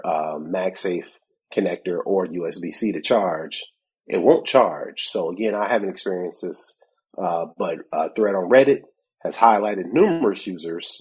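This podcast co-host's voice is low-pitched, a little mellow, and slightly rough. Chatting casually on a tech show while a bit congested from a cold, he laughs a lot and performs both sides of conversations.

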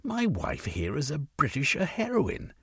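A man reader voicing a pompous, self-important middle-aged gentleman who gives blustering, indignant speeches. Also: fairly high pitch, wildly swooping pitch, a little slow, husky, no echo, clean studio sound, pitched above the performer's own voice, exaggerated voice. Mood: placating.

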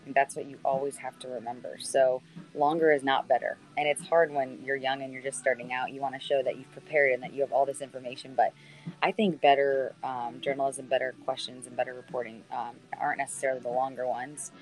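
Deep-voiced woman reporter on a call. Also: little pitch movement, a little fast, poor audio. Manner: conversational, lots of fillers and restarts. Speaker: sideline reporter. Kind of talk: answering student questions on a call. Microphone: video call.

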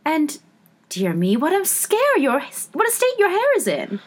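A woman's voice: very high-pitched, huge pitch swings, a little slow, voice pushed up, exaggerated voice. A woman voicing a polite, puzzled young storybook girl, speaking timidly and courteously, often questioning. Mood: helpful, fussing.

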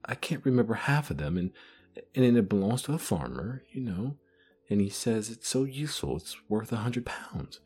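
A man's voice: low voice, mellow, husky, exaggerated voice. A man voicing a curious, polite young girl who chatters earnestly.

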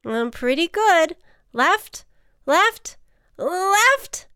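A woman's voice: high-pitched, very animated, measured pace, a bit bright, clean tone, no room sound, clean studio sound, pitched above the performer's own voice, heavily acted. A woman voicing a small, cheeky male ant who persuades and encourages in a chummy, folksy way, as in a children's storybook. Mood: upbeat.

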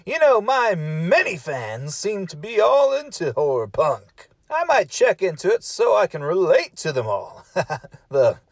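A cranky, goofy horror-show host, high and very swoopy in pitch, with a rough rasp. He boasts and teases theatrically, missing the point in comic banter. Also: wildly swooping pitch, a little slow, dry recording, exaggerated voice. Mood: clueless, boastful. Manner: theatrical, teasing, clueless wisecracking. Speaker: podcast host character.

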